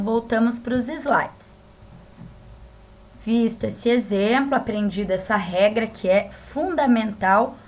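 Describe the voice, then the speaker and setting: A woman teaches from slides in a slow, measured way, her voice sitting a little high. She is a native Portuguese speaker who repeats each example patiently. She keeps pausing to check that her students follow. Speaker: Spanish teacher. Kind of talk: slide-based classroom lesson.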